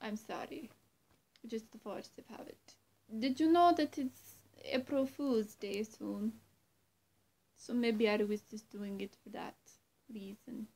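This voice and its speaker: A young woman playing a menacing, two-faced female vampire in a roleplay, halting and often breathy, sweet one moment and threatening the next. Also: fairly high pitch, a little mellow, full character voice. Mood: mock sweet. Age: young adult. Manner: halting, teasing threats with long pauses, often dropping to breathy near-whisper. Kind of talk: roleplay addressed to the listener. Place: small room at home, indoors.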